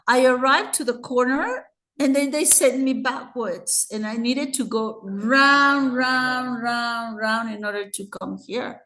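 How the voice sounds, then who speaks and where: A woman with a Mexican Spanish accent teaching an English grammar class, explaining patiently and switching between Spanish and English. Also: a little high. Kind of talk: bilingual grammar lesson.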